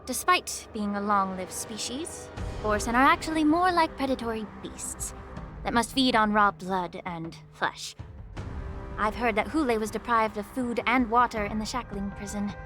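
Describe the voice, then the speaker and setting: A woman's voice: fairly high pitch, moderate pace, lightly acted. A woman voicing a poised, shrewd official in a video game, speaking in a formal, precise and courteous way. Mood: cool, probing. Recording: music behind the voice.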